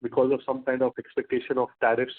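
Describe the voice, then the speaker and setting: A man asking questions as an investment analyst on an earnings call, phrasing them haltingly. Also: mid-range voice, monotone. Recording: narrow phone-like conference line.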